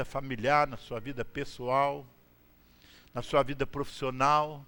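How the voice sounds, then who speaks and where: A man's bright, sharp voice, fairly high in pitch, at a moderate pace. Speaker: pastor. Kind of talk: sermon. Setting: church.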